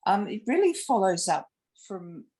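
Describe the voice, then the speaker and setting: A woman's voice: medium pitch, sing-song, a little slow, dark tone. An Australian woman asking a reflective question on a video call, thinking aloud with fillers. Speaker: audience member asking a question. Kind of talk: online panel discussion.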